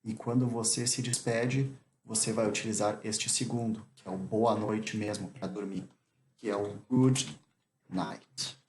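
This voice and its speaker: Slow, patient teacher man, low voice. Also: steady tone, a little mellow, a little hiss or hum. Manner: repeats each phrase slowly, drilling pronunciation. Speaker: English teacher. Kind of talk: slow explanatory lesson with repeated examples.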